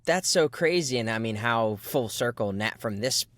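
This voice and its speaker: A man hosts a casual podcast interview, his voice in a middle pitch. He reacts briefly and asks eager follow-ups, recorded with a dry sound and no room echo. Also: lively intonation, moderate pace, a bit bright. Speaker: podcast host.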